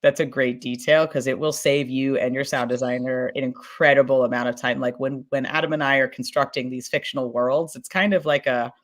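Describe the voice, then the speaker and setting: A woman's voice: extremely low pitch, fairly even intonation, fairly quick, few pauses. A woman speaking informally and emphatically as a fiction podcast creator in a casual panel discussion, with an enthusiastic manner.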